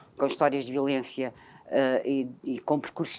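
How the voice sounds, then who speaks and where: A woman is speaking. Her pace is moderate. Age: 60s. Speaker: social worker. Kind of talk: interview.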